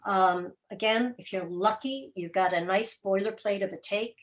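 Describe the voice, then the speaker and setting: A woman speaking as an interview guest, explaining her production work informally in a halting, thoughtful way with searching pauses. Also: medium pitch. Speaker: interview guest, radio program and podcast producer. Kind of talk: informal spoken explanation at an online gathering.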